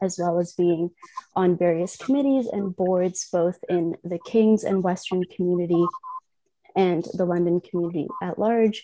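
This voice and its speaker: A woman's ordinary speaking voice, fairly low in pitch, at a moderate pace with fairly even intonation, in a dry sound with no echo. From Canada. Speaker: graduate student; guest. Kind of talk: panel discussion. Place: home room. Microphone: earbuds.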